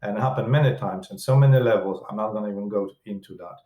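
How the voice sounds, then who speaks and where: A man's voice: on the low side, lo-fi sound. Polish-accented man in an echoey room. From Poland. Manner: halting, many restarts and fillers, broken grammar. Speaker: film director and producer, guest. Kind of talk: casual interview talk. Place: room in London.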